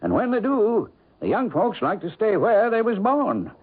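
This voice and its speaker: An actor playing a folksy, sly small-town real estate agent with a New England accent in a radio drama. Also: male voice, high-pitched, wildly swooping pitch, normal speed, slightly rough, full character voice. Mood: folksy, reluctant. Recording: tinny old radio broadcast.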